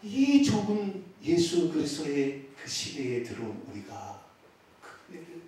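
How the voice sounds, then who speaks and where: A pastor preaches in a high, very lively voice with a regional Korean accent, swinging from loud exclamations down to near-whispers. He is picked up from well away from the mic, and the church sanctuary echoes heavily around him. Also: a little slow, recorded from a distance, slight background noise. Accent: Korean regional dialect. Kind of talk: sermon.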